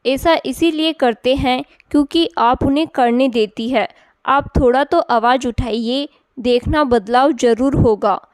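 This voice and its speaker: Lively, persuasive young girl voiced by a woman, bright high tone, clean, slow storybook reading. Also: clean tone, no echo. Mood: urging. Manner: coaxing, persuasive. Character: spirited young unmarried cousin, encouraging.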